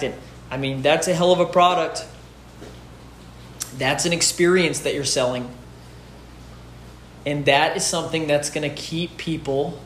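A man's voice: fairly high pitch, fairly bright tone, a little hiss or hum. Emphatic man, echoey gym, rain on the roof. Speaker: gym owner and fitness business host. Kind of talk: informal motivational advice talk to peers. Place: home gym outside, under a roof in a rainstorm. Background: rain on the roof, storm.

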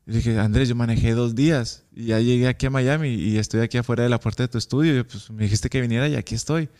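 Young Mexican man, casual interview guest, lively storyteller who acts out quoted lines. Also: mid-range voice, fast. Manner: animated, acts out quoted dialogue.

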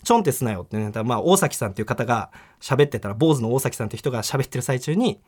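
A man's voice: mid-range voice, rapid-fire, breathy edge. A man hosting a radio talk show, telling a personal story in a casual way and acting out the voices of the people in it. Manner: animated storytelling, acts out quoted people. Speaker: comedian and radio show host. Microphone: studio microphone.

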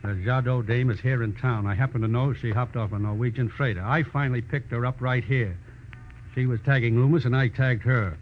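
A man's voice: mid-range voice, brisk, natural voice. An elderly American tough customer voiced by a male actor talks down to people in a folksy, needling way. He is cagey and hard, out of an old radio crime play. The sound is muffled, with faint noise. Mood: insistent. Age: older. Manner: folksy, needling, calls listener son. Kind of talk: 1940s radio crime acting.

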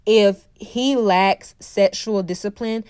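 A woman's voice: medium pitch, steady tone, slow, a little mellow, clear, resonant tone, dry recording, studio quality. A woman hosting her own podcast, lecturing emphatically and repeating her key phrases, sounding congested from a cold. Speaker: podcast host and dating coach. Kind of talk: opinionated solo podcast monologue.

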